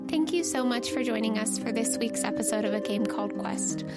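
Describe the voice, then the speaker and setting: A woman with a fairly high voice hosts a tabletop game podcast as its game master. Loud music plays under her as she talks. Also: fairly quick. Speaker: game master, host and producer.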